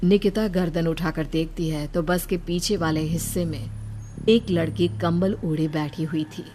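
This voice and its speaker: A woman narrating a cartoon story in a brisk, blunt scripted manner. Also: sits low, fairly even intonation, noisy background.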